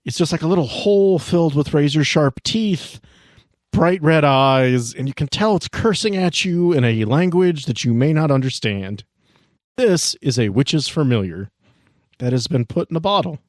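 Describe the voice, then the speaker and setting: A man's voice: a little high, darkish tone, no echo, clean studio sound. A man narrating as game master of a tabletop game, describing scenes casually with asides and restarts.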